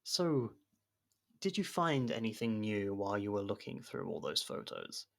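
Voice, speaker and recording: A man acting a guarded, blunt convict who helps with an investigation, in a conversational ASMR roleplay with hesitant pauses. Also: fairly low pitch, very animated, vocal fry. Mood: lighter, teasing. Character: jailed man helping an investigator, guarded, blunt, wryly supportive. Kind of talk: ASMR roleplay audio drama.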